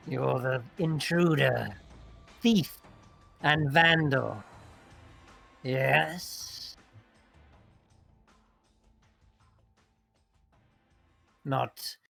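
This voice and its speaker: A man voicing a condescending hag villainess in a tabletop game, slow and theatrical, with mock-polite menace. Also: mid-range voice, vocal fry, a bit bright, heavily acted. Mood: sly menace. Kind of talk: tabletop role-play.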